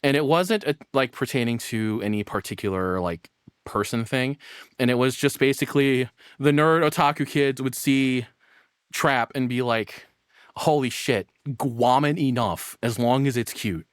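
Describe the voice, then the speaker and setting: Guy streamer reacting off the cuff, sweary and rambly, smooth clear voice, really dry sound. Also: medium pitch, measured pace, no room sound. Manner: rambling, blunt and profane. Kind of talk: casual off-the-cuff reaction commentary.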